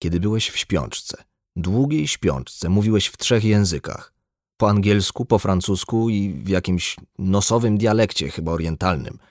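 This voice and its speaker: A man voicing a blunt, embittered, drunk male doctor in an audiobook, gruff and lecturing. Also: low voice, lively intonation, a little slow, a little mellow, no echo, clean studio sound. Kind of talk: audiobook dialogue.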